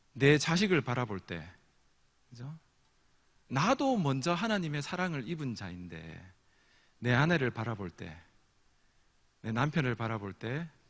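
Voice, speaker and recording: Over a quiet background, a man of medium pitch speaks at a fairly slow pace with vocal fry, very wide pitch swings, and long, frequent pauses. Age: young. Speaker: pastor. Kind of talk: sermon.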